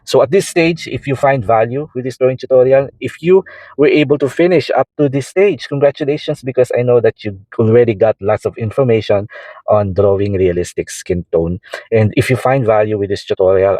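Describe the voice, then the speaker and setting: A man's voice: on the low side, dark tone, no echo, rough recording. A man from the Philippines with a Filipino accent and Tagalog as his first language, talking casually through an art tutorial, rambling and repeating himself with many fillers. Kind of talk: casual tutorial talk over drawing.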